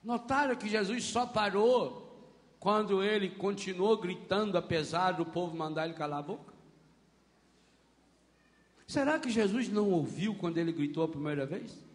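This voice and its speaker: A man with a Brazilian Portuguese accent, preaching a Catholic sermon animatedly and acting out scenes with shouts. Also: high voice, moderate pace, long reverb tail. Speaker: Catholic priest.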